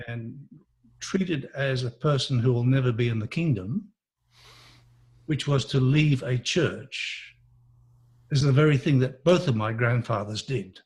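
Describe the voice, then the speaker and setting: An interview guest who grew up in Malaysia, speaking at a middle pitch with a husky, slightly breathy voice. He tells his story in a measured, earnest, reflective way.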